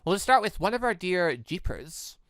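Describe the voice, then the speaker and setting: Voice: medium pitch, very animated, moderate pace, a bit bright, no room sound, studio quality. A game commentator voicing a sly, composed, bookish woman who schemes. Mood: smug.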